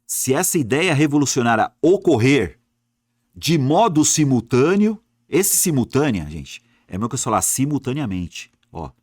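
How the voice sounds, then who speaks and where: A man's voice: medium pitch, moderate pace, husky, dry recording, studio quality. A man teaching an exam-prep grammar lesson, speaking straight to his students and asking himself questions. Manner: lively, talks to class directly, asks and answers himself.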